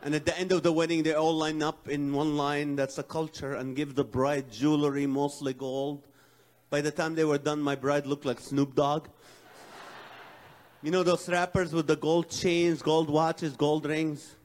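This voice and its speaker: A man's voice: on the high side, a little slow. Self-mocking middle-aged male comedian. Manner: animated storytelling, self-mocking. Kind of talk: stand-up comedy.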